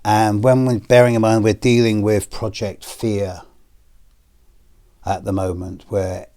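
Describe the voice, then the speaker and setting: A hoarse British man with a deep, fairly low voice, speaking slowly and with a cough in a personal video. He is middle-aged and talks to his viewers in a measured way, with pauses and fillers. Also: flat delivery, mellow. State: hoarse and coughing after illness. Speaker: astrologer.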